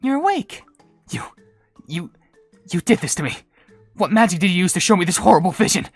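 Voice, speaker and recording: A woman voicing a devoted, intense cookie servant of a dark sorceress in a game cutscene, solemn and dramatic. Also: fairly low pitch, big pitch swings, brisk, breathy edge. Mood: horrified, accusing. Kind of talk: video game cutscene voice acting. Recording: game audio with music behind.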